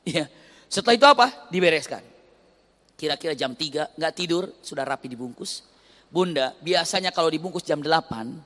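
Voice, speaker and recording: A man's voice: sits high, fairly bright tone. A male Islamic preacher giving a sermon, telling a story and acting out the voices of its people. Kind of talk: sermon with acted stories. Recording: long hall reverb.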